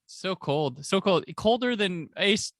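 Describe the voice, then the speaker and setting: A man's voice: high voice, lively intonation, slow pace, no echo, studio quality. A man hosting a podcast in casual chat, recapping an episode with enthusiasm and jokey asides into a podcast microphone. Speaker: podcast host.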